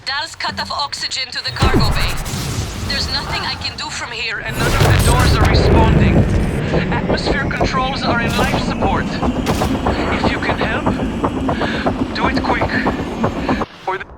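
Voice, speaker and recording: A woman's voice: high-pitched, a little slow, pauses often, heavy background noise. An actress playing a trapped female station worker in a video game, speaking in an urgent, strained way.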